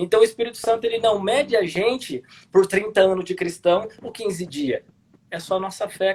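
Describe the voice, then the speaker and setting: A man's high-pitched voice at a moderate pace, with ordinary pitch variation and big swings in loudness. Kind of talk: casual religious discussion on live podcast. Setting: Instagram live stream. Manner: animated.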